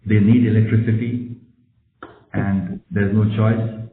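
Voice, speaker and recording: A man's voice: fairly low pitch, flat delivery, takes it slowly. A man answering questions as a company executive on an earnings call, blunt and emphatic, often repeating phrases. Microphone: conference call phone. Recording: roomy, noisy, muffled conference phone line.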